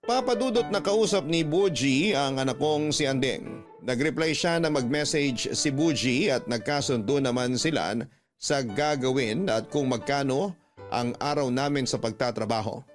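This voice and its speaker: A man narrating a radio drama story in a reflective, measured first-person voice. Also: mid-range voice, music in the background.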